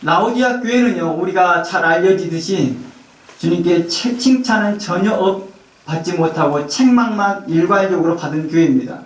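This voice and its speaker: A male pastor giving an earnest sermon, reading scripture slowly and pleading warmly in the Lord's voice. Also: high-pitched. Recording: echoey church from far off.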